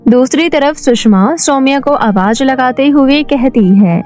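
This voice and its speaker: A woman narrating a cartoon moral story in a steady scripted storytelling voice. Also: high-pitched, a little slow, faint music behind.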